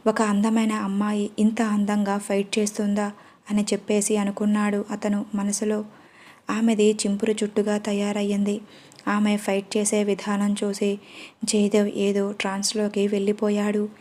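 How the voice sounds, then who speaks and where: A woman reads a romance audio story with very little pitch movement. Her voice is soft and mellow, and she keeps an even, steady delivery. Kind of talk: storybook narration.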